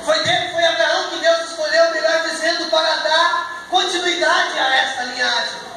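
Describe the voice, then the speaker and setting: Fervent Brazilian preacher in an echoey church. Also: male voice, extremely high pitch, steady tone, moderate pace. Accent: Brazilian Portuguese. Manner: fervent preaching, rising to shouts at climaxes. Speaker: missionary preacher. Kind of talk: sermon. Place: small church hall with a band stage. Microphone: handheld mic, filmed from the back of the room. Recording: echoey room from far off with loud noise.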